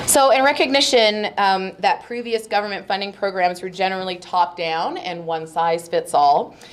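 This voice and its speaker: With noticeable background noise behind her, a woman talks with lively intonation and hardly any pauses. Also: medium pitch for a woman. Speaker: non-profit housing researcher. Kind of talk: conference presentation. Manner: fast.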